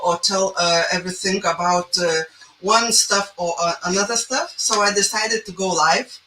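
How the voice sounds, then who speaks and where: A woman from Lithuania with a Lithuanian accent, a guest speaking halting non-native English with many pauses. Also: medium pitch, bright, forceful tone. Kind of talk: hesitant guest talk. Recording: roomy distant call audio with faint noise.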